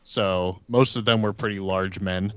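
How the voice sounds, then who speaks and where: A man casually describing his game character as a podcast player, halting and matter-of-fact. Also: low voice, fairly even intonation, smooth, no room sound, muffled recording.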